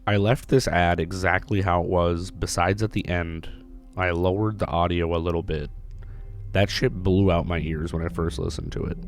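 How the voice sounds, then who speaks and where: A man with a hoarse voice, recovering from illness, narrating a casual, blunt video commentary. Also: deep voice, fairly even intonation, moderate pace. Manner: casual, blunt, mildly profane. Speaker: YouTube commentator. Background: background music.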